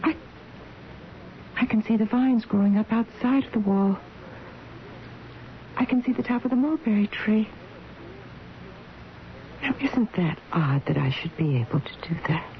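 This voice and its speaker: An actress playing a bedridden woman in a trance, musing to herself in halting, wondering phrases in a radio drama. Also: medium pitch, expressive. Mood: dreamy wonder. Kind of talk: radio drama interior monologue. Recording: dull, noisy vintage radio broadcast.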